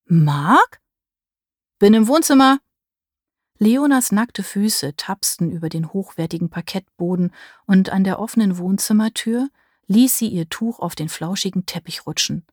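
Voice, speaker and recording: A woman narrating a romance audiobook in an expressive storytelling manner. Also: medium pitch, normal speed, no room sound, studio quality. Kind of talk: scripted narration.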